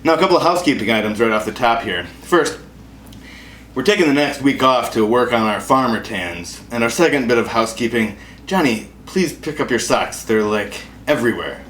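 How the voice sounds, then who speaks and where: A man's voice: mid-range voice, lively intonation, brisk, a bit bright. An American man hosting a comedy show with a casual, wry, self-deprecating and sarcastic monologue. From Wisconsin, United States. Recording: echoey room with clear background noise.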